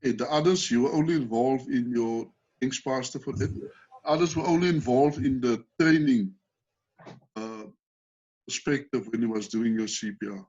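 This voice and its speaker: A South African man leads a first aid class over a call, patient and explanatory, often pausing to ask the group questions. His voice is husky and mid-pitched. The call audio is dull and lo-fi. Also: darkish tone. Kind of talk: online training session.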